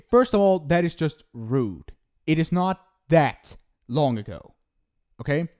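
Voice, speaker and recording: Slow, mellow-voiced man in ASMR roleplay. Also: a little high. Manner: scolding yet affectionate, playful teasing.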